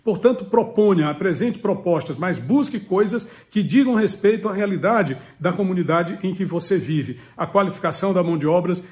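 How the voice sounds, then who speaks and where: A man in his fifties with a noticeably high voice lays out advice step by step. He sounds earnest and didactic and hammers key words through repetition. He is recorded close up in a home study. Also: lively intonation, moderate pace, few pauses, a little mellow. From Piauí, Brazil. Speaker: political commentator and channel host. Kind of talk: direct-to-camera advice talk. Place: home study with full bookshelves. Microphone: webcam or phone close up, head and shoulders.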